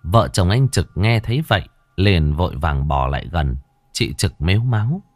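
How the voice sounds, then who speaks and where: Brief: deep, expressive male horror storyteller, suspenseful and measured. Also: no room sound, faint music behind. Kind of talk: ghost story narration.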